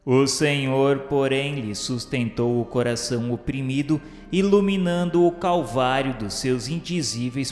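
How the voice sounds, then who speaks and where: Brazilian guy narrating slow n solemn like a religious radio novela, big reverb, music underneath. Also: mid-range voice. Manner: measured, grandiloquent delivery. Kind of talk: solemn scripted dramatic narration. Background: background music.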